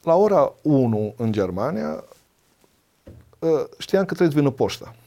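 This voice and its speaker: A middle-aged man speaking at an ordinary pitch, telling his life story as a podcast guest. He is earnest and emotional. He brings old exchanges back to life by voicing the dialogue. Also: very animated, dark tone. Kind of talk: personal testimony in casual conversation.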